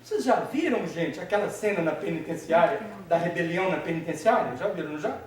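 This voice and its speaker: Man, religious lecture, animated, quizzes audience, very echoey hall, far from mic. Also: on the high side, fairly quick, slight background noise.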